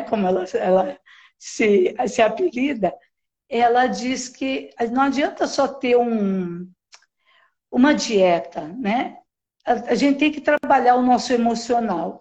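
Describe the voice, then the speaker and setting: A middle-aged woman sharing a personal testimony in conversation, talking haltingly with many restarts and tag questions. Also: fairly high pitch, darkish tone. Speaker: mentoring client sharing her story.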